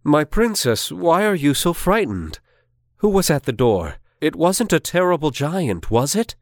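A woman voicing a kindly but stern old king in a storybook reading, speaking gently and firmly. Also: deep voice, big pitch swings, a little slow, dry recording, studio quality, voice pushed down. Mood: concerned. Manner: gentle, firm, lecturing.

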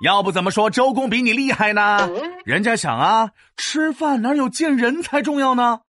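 An actor as an animated, boastful dragon storyteller. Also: mid-range voice, normal speed, slight background noise, natural voice. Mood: enthusiastic storytelling. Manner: theatrical, teasing, explanatory. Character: boastful, learned five-thousand-year-old dragon storyteller. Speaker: storyteller and teacher. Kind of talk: animated children's educational audio drama storytelling.

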